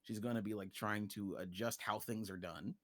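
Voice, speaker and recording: Low-voiced man chatting casually, close dry sound. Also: fairly even intonation, moderate pace, fairly bright tone, dry recording. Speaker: guest, creator of an original story universe. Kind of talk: casual livestream chat, explaining a story world.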